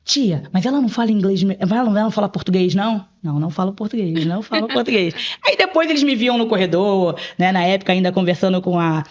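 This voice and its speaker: A woman's voice: medium pitch, lively intonation, fast talker, few pauses, darkish tone. A woman in a casual podcast chat who tells stories animatedly and acts out the dialogue she quotes. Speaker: bilingual program advisor. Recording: dull lo-fi sound.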